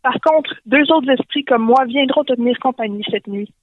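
A sultry, drawn-out male spirit, voiced by a woman with a Québécois accent. He lingers over every word in a teasing way. The voice comes through a narrow, phone-like line. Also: high-pitched, no room sound. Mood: suggestive. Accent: Québécois French. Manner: slow, suggestive. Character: seductive male spirit, slow and suggestive.

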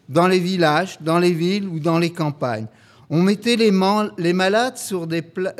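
Male preacher, high voice, earnest sermon delivery with scripture reading. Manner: earnest, reads scripture aloud steadily.

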